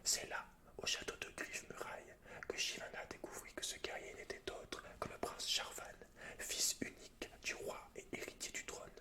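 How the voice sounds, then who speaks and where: A man speaking in a soft, breathy whisper as an ASMR gaming host, informal and intimate. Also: normal speed. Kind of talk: whispered ASMR, chatting and reading game lore aloud.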